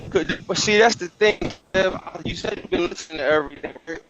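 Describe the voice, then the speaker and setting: A man's voice: high-pitched, fairly quick, noisy background. Young man on a breaking-up phone line. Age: young adult. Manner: defensive, repeats himself. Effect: phone connection breaking up, cutting in and out. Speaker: guest on a phone call. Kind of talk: casual call-in conversation. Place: in a place with bad phone reception.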